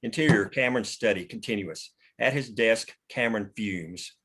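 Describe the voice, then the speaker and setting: A man's voice: on the low side, moderate pace, fairly bright tone, husky. A man narrating stage directions from a screenplay at a table read.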